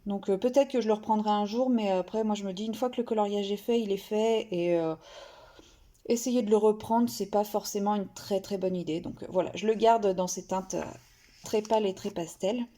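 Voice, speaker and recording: A woman's voice: medium pitch, steady tone, brisk, mellow. A woman vlogger casually showing her finished coloring pages, hesitant, with many fillers and restarts. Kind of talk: casual show-and-tell.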